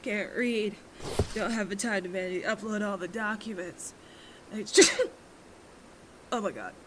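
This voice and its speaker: A woman's voice: mid-range voice, measured pace, noisy background, lightly acted. Frantic, sweary female sci-fi captain, played by an actress. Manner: muttering, swearing, frantic, talks to herself. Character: panicked, foul-mouthed, sarcastic female spaceship captain. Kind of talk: naturalistic sci-fi audio drama acting.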